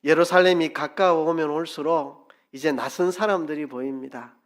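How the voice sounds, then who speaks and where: A middle-aged man, a pastor giving an expressive sermon with dialect asides in a church sanctuary. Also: a little high, moderate pace.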